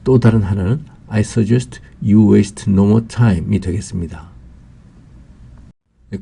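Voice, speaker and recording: A man with a lowish, gravelly, mellow, slightly rough voice teaches English grammar in a recorded lesson. He explains slowly and carefully, stretches out English example phrases with a Korean accent, and pauses with "ah."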